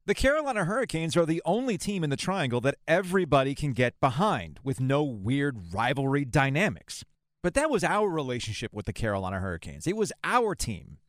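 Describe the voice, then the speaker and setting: A man's voice: mid-range voice, no room sound, clean studio sound. A man hosting a sports podcast, narrating a scripted story about local sports.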